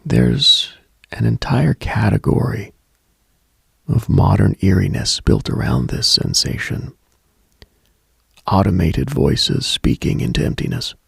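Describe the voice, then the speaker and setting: On a late-night mystical radio show, a man tells eerie, reflective stories close to the mic, hushed and halting as he muses. His gravelly, husky, breathy voice is fairly low and sing-song, with no room sound.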